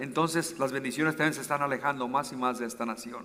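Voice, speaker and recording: A man at a very fast pace, with a bright, sharp tone and ordinary pitch variation. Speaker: pastor. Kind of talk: sermon.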